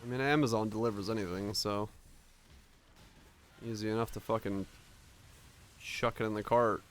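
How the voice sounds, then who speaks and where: A young Finnish streamer, Finnish by first language but with an American accent, chats casually with his viewers in a fairly low, fairly even voice at normal speed. He's loose and rambling, cursing casually and restarting a lot, with a bit of hiss or hum in the audio.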